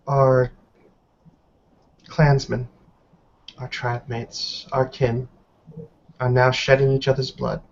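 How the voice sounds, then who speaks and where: A man playing a stern elderly tribal matriarch in a roleplay game, speaking formally in deliberate, halting phrases. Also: mid-range voice, little pitch movement. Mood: grave, stern. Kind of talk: tabletop roleplay in character. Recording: dull online call with background noise.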